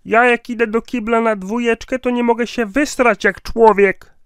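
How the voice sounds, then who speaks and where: A man's voice: very high-pitched, steady tone, moderate pace, clear, resonant tone, no echo. Man acting grumbly old man, seventies, muddled, plain-spoken, cartoon comedy, close dry sound. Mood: grumbling. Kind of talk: cartoon comedy sketch dialogue.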